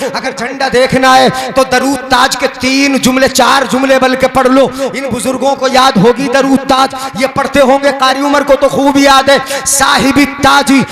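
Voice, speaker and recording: A man with a very high, gravelly voice preaches to a big gathering. He holds a flat, narrow tone and keeps the crowd answering him, often rising into shouted, sing-song lines. The sound comes through a public address mic, with loud crowd responses behind him. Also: reverberant. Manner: call-and-response, rhetorical questions, rising into shouted chant-like lines. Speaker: Islamic preacher. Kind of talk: religious speech to a crowd. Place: large religious gathering.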